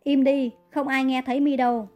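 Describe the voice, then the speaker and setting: A woman's voice: high-pitched, little pitch movement, normal speed, darkish tone, faint music behind, close to an everyday voice. A woman reading the part of a cold, commanding young male prince in a narrated story.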